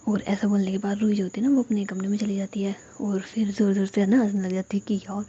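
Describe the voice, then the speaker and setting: A woman casually telling a love story in a relaxed, chatty way. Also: mid-range voice, fast talker, highs cut off, slight background noise.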